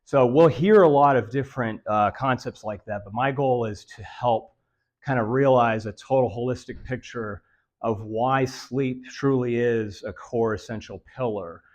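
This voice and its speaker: A man presenting a health lecture to seniors in a meeting room, his voice raspy and nasal and a bit dry from allergies, talking in a monotone with many fillers. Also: mid-range voice, unhurried. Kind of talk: live lecture to a senior audience.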